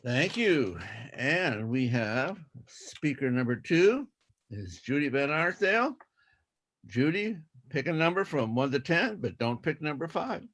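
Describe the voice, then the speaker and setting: A man acting as toastmaster of a speech contest, explaining rules methodically and repeating himself deliberately. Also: a little high, very animated, a bit bright.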